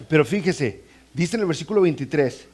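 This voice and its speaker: Lively pastor preaching. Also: male voice, a little high. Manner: animated, acts out scenes and quoted voices; conversational, addresses the congregation directly. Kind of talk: sermon. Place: church sanctuary.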